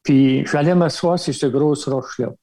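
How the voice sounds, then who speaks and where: An older man with an Acadian French accent from Baie Sainte-Marie, telling stories from his life in a relaxed interview, with many small fillers and chuckles. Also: a little high, moderate pace. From Baie Sainte-Marie, Nova Scotia. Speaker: guest, religious brother. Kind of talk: casual storytelling interview.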